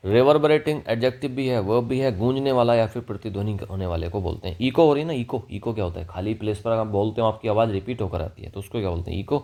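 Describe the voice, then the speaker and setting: A man with an Indian accent explains English vocabulary in Hindi as a teacher, asking and answering his own questions and reading example sentences slowly. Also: lowish voice, creaky, warm tone.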